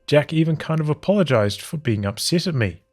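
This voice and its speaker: A man reading journal entries from a visual novel aloud as storytelling, in measured, halting phrases with pauses. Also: on the high side, expressive, a little mellow.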